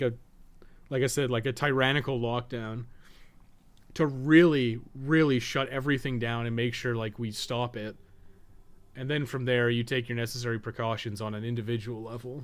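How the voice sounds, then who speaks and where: A man with a mid-pitched voice talks off the cuff on a gaming livestream. He is blunt and opinionated, speaking in a loose, conversational way as he reasons things out aloud. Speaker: live streamer and podcast co-host. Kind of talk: casual livestream chat and gameplay commentary.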